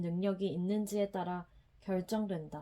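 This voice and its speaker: Dark and mellow in tone, a woman talks at a fairly slow pace. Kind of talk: audiobook reading. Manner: soft, calm.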